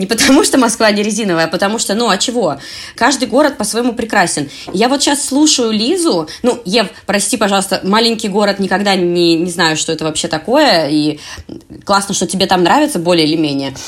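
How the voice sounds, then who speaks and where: A woman talks at a fairly quick pace with lively intonation and a medium pitch. She has an unremarkable speaking voice. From Russia. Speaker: podcast co-host. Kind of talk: casual chat.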